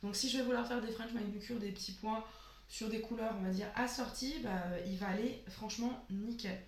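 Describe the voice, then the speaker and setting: A sick woman with a hoarse voice, chatting casually through a haul of nail polishes and trailing off with fillers. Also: a little high, steady tone, a little fast, echoey room, slight background noise. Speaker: beauty vlogger.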